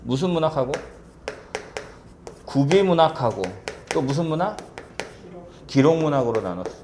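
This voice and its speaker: Male exam-prep teacher, slightly high and very animated pitch, classroom lecture full of check-in questions. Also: normal speed, background noise. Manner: lively, asks many rhetorical check questions. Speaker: civil service exam Korean teacher.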